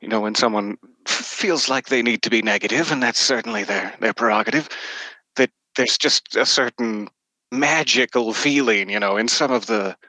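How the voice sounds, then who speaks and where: Bright, forceful-voiced man chatting. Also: mid-range voice, normal speed, dry recording, low-quality recording. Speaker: podcast guest, horror narrator and voice actor. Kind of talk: casual interview chat.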